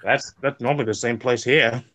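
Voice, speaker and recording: A man co-hosts a movie riff, tossing in dry, teasing one-liners. His voice sits at an average pitch, and his delivery stays easygoing and conversational. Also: steady tone, fairly quick, a bit bright, a little hiss or hum. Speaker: co-host. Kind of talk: casual movie riff commentary.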